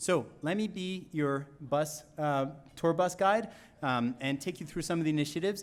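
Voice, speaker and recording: At a moderate pace, a man with a Quebec accent speaks at a fairly high pitch with ordinary pitch variation. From Quebec, Montreal. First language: French. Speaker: veterinary professor. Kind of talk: keynote speech. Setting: dinner event with audience.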